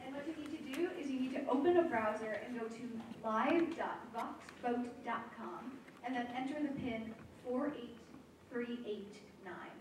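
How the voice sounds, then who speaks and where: A woman's voice: fairly high pitch, darkish tone. Echoey, distant woman announcer. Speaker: festival announcer. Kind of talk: event announcement. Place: large room at film festival event. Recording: echoey event hall, distant, faint noise.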